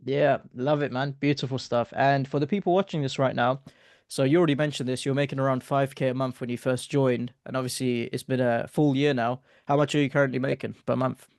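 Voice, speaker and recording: A man hosting a client interview, upbeat and quick to laugh as he talks with his guest. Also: mid-range voice, steady tone, darkish tone, dry recording, clean studio sound. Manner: upbeat, laughs often, friendly praise. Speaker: interview host, business coach.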